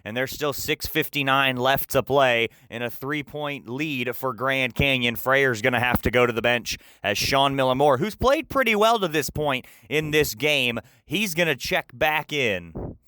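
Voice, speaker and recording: Young male sportscaster, bright forceful voice. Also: medium pitch, unhurried, smooth, no room sound. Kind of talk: interview questions and radio basketball play-by-play.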